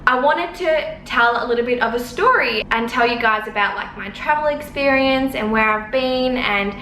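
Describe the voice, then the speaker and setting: Bright-voiced chatty young woman, echoey room. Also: a little high, moderate pace. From Australia. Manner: rambling and chatty, with many fillers and apologies. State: sore eyes from smoke. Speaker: vlogger. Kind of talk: casual storytelling to camera. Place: lounge room at home. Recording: echoey room, faint background noise.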